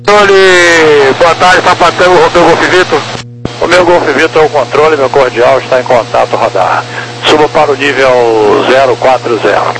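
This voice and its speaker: A man's voice: on the high side, moderate pace, fairly bright tone, rough recording. A man with a Brazilian accent working as an air traffic controller, giving clipped procedural instructions over aviation radio, reading digits one by one.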